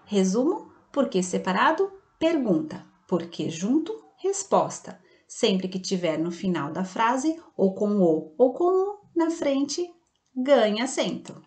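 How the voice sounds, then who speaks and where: Patient, lively-voiced Brazilian woman teacher. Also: medium pitch. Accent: Brazilian Portuguese. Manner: patient, slow and didactic, checking in with "tá bom?" and "certo?". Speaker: primary school teacher. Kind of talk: online lesson explaining grammar to children.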